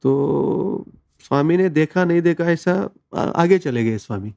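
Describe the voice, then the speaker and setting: A man shares his personal testimony conversationally as an interview guest, speaking earnestly and slipping English words into his speech. His voice is on the high side, mellow and relaxed, with vocal fry and a measured pace. The recording is dry and close.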